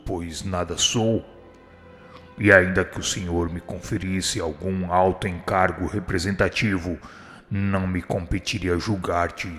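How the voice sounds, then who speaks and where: Man as deep, serene spirit instructor. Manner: serene, firm, solemn, formal pleading. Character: gentle, humble, courageous male spirit instructor. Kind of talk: radio drama acting. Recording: long hall reverb, faint music. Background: faint music.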